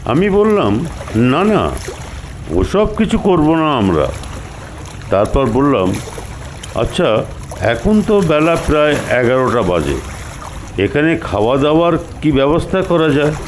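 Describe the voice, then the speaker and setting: A man's voice: a little high, big pitch swings, slow, long pauses, slight background noise. A man narrating a story expressively as the storyteller.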